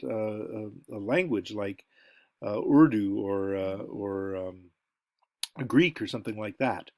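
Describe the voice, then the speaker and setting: A man's voice: mid-range voice, dry recording. An American man giving an informal lecture, talking in a conversational way and thinking aloud with asides. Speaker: college lecturer.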